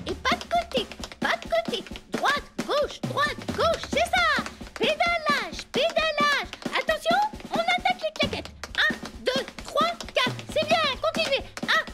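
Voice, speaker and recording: A woman voicing an eager, encouraging young girl in a children's cartoon, with an animated, emphatic delivery. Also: very high-pitched. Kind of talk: French cartoon dub acting. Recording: loud music behind the voice.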